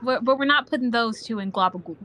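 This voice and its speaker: A woman's voice: on the high side, fast talker, pushed and bright, a little hiss or hum. A woman chatting with friends in a tabletop game stream, playful and giggly. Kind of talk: casual chat.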